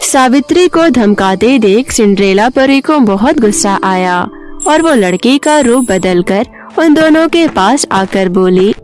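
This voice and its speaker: A woman narrates a children's bedtime story from a script. Her voice is very high, with faint music playing behind it. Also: expressive, a little slow, a little mellow.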